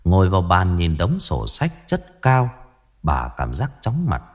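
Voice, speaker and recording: A man narrating a ghost story in a lively way. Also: low-pitched, measured pace, slightly rough.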